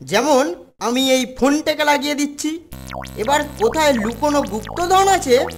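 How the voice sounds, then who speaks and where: A woman voicing a confident, eager young schoolboy in a children's cartoon, explaining things briskly. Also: high-pitched, expressive. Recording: music behind the voice.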